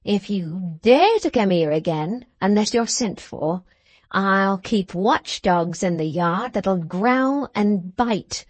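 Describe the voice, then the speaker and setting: A woman's voice: mid-range voice, expressive, slow pace, dry recording. Woman acting a malicious, drawling dwarf husband. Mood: threatening, roaring. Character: malicious, gleeful dwarf husband, menacing and mocking.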